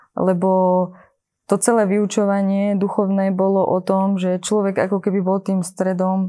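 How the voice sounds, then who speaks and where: A dark, mellow tone, monotone and flat, at a fairly slow pace against a quiet background. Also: woman. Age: young. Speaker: interview guest. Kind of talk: testimony.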